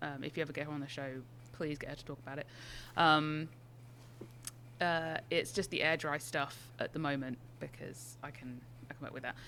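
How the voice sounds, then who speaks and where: A woman with a very deep, low pitch speaks at a fairly quick pace in a British accent, her intonation fairly even. Her loudness swings widely, and she leaves long, frequent pauses. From Britain. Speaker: podcast guest, artist. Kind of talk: casual chat.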